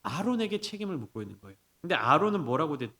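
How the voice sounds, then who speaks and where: Lively Korean man preaching a sermon. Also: a little high, fast talker. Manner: explanatory, asks rhetorical questions then answers them; acts out scolding quotes in lively bursts. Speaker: pastor.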